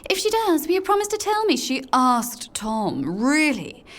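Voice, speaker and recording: A woman acts a dramatic, exasperated woman venting in a radio play. She is emphatic and incredulous, her high voice leaping around in pitch. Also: sing-song, measured pace, fairly bright tone, full character voice. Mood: indignant, exasperated. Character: exasperated, dramatic modern woman ranting about a rival.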